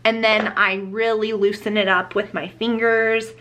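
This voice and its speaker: Young woman, beauty vlogger with a head cold; nasal, bright tone, relaxed chatty delivery. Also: mid-range voice, measured pace. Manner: chatty, explaining steps with fillers. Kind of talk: casual get-ready-with-me chat.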